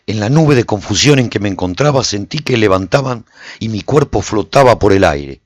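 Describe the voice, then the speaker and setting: An actor playing a weary swordsman who narrates his post-apocalyptic adventure in a radio drama, husky and theatrical. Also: lowish voice, expressive, moderate pace, no room sound, studio quality. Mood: intense, urgent. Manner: intense, theatrical. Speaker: narrator and protagonist.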